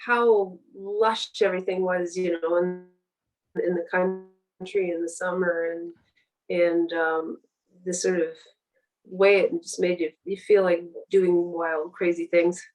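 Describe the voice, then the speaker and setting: A woman's voice: fairly low pitch, flat delivery, slow, a little mellow, soft background music, poor audio. A woman with a Canadian accent speaking casually as a guest writer, hesitant and searching for her words. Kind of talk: casual literary interview.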